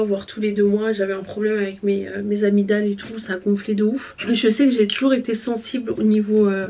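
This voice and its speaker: A young woman, chatting casually while she gets ready, rambling with many fillers, her voice a bit hoarse after being ill. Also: medium pitch, darkish tone. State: slightly hoarse voice after illness. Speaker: vlogger.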